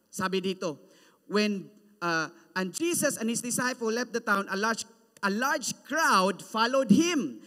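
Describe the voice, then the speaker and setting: Male pastor from the Philippines; bright, forceful high voice, animated storytelling sermon in a church. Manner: animated, acts out the story, code-switches. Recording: long church hall reverb.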